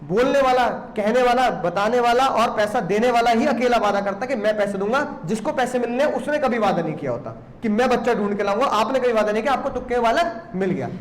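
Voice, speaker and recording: High-voiced male law teacher. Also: fast, hardly any pauses. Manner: lively, teasing, scolds students, many rhetorical questions. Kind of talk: classroom lecture. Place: classroom.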